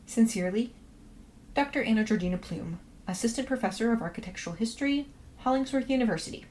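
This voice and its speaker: An actress playing a polite, quirky professor, reading a letter of instructions aloud in a matter-of-fact, reassuring way for a fiction podcast. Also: female voice, fairly high pitch, animated, fast talker, darkish tone, close to an everyday voice. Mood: reassuring, businesslike. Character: polite, quirky woman professor giving house-sitting instructions. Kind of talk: scripted letter read aloud in a podcast promo. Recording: faint background noise and ambience.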